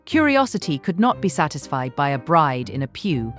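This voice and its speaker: A woman reads literary narration in a low voice with lively intonation. Her delivery is measured and articulate, as an audiobook narrator, with faint music underneath.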